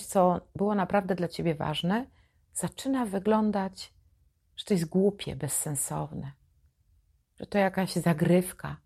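A woman hosting a psychology channel, giving an advice monologue to her viewers in a slow, emphatic, deliberate way. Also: lowish voice, darkish tone.

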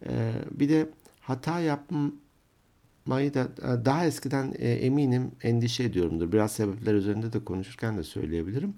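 A man's voice: medium pitch, fairly quick, dark tone. A man in casual conversation who laughs often and tells humorous anecdotes.

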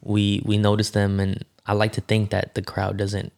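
A man, a rapper and musician, telling stories in a relaxed casual interview, with many fillers and restarts. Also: fairly low pitch, moderate pace, vocal fry. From United States.

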